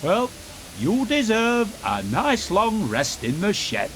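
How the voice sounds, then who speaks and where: A man's voice: high voice, huge pitch swings, takes it slowly, a bit bright, a little hiss or hum, pitched above the performer's own voice, exaggerated voice. A man voicing a kindly, authoritative railway controller who speaks formally and reassuringly in a storybook train game. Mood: approving.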